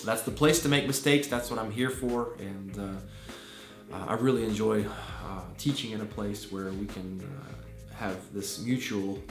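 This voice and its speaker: American guy in his 30s, teacher talking earnestly in an echoey room, soft music underneath. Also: fairly low pitch, unhurried. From Virginia, USA. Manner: earnest, thoughtful, with frequent fillers and restarts. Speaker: English teacher. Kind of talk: unscripted interview answers.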